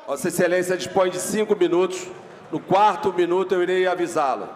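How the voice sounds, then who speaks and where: A man's voice: high voice, fairly quick. Male session chair in a reverberant chamber. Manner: firm and procedural, repeats polite requests. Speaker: session president. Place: legislative chamber.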